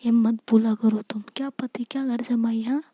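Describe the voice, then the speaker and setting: A woman's voice: a little high, steady tone, moderate pace, mellow, slightly rough, no echo, muffled recording. A woman voicing a flustered, bossy young girlfriend. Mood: exasperated. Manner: exasperated, scolding.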